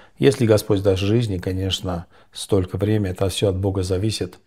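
Against a quiet background, a man speaks in a fairly low pitch with a dark, mellow, somewhat breathy tone and fairly even intonation. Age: 50s. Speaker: pastor. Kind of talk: interview. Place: studio. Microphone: lapel.

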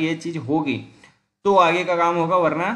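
A man talks in a fairly high voice, and the room's echo can be heard clearly. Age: 20s. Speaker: programming tutor. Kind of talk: coding tutorial. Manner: casual.

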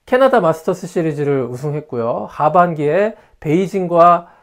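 Lively intonation marks this man's fairly high-pitched voice, moving at a moderate pace over a quiet background. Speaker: tennis commentator / YouTuber; tennis commentator. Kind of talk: solo analysis monologue. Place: office. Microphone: lapel.

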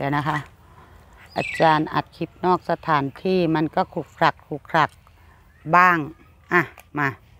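The tone is bright and sharp, and the sound is dry with no echo. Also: woman, very deep, low pitch for a woman, fairly even intonation. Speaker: tarot reader. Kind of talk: tarot reading monologue. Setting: outdoors. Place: garden.

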